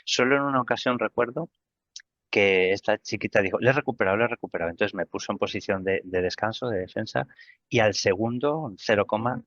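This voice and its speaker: A man's voice: lowish voice, normal speed, fairly bright tone, dry recording, highs cut off. A middle-aged man with a Spain Spanish accent, retelling a personal experience as an interview guest and acting out the remembered dialogue.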